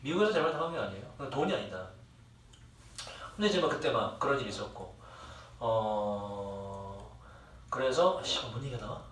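A man's voice: fairly low pitch, animated, normal speed, fairly bright tone. A young man teaching a class, who rambles, jokes with his students and swears freely. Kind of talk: classroom lecture. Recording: echoey room, distant mic, faint ambience.

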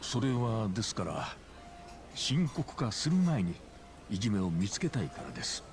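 A very old, grave school chairman, low-voiced. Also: big pitch swings, slight background noise. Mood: grave, guarded. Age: older. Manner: formal, polite, measured old man's delivery. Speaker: school board chairman, client. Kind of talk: scripted video game drama acting. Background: background music.

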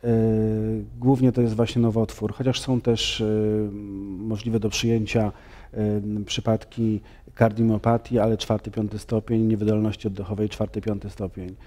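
Priest, 30s, measured and explanatory, dark mellow tone. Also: male voice, lowish voice, level tone. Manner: measured, explanatory, frequent fillers. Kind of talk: studio interview. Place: bright TV studio, seated on sofa.

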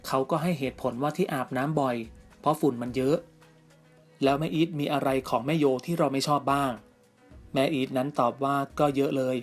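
A man narrating an entertainment news story in a steady, scripted reading voice. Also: mid-range voice, fairly quick. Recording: music bed faint underneath.

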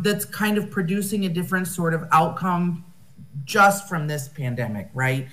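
A woman's voice: fairly low pitch, a bit bright. American woman giving a conference talk. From United States. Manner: thoughtful, rephrasing often, with fillers. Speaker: conference speaker. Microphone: video call.

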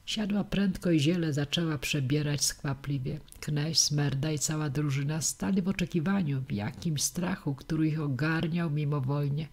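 A woman narrating a classic novel for an audiobook. She reads in a measured, steady way through long passages. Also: low voice, breathy edge. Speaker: audiobook reader.

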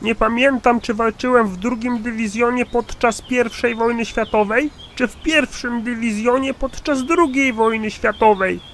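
A man's voice: extremely high pitch, moderate pace, hardly any pauses, a bit bright, a little hiss or hum. An actor playing a muddled seventy-year-old man in a cartoon sketch, complaining in a plain-spoken way. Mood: grumbling. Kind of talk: cartoon comedy sketch dialogue.

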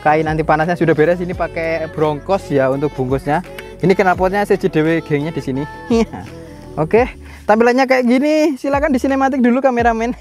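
An excited man talks casually in slangy with a tinge, as if hyping up his viewers, outdoors in a rice field. Music plays clearly behind him. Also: high voice, brisk. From Indonesia. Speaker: vlogger. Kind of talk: casual vlog commentary. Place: outdoors in a rice field beside a running tractor.

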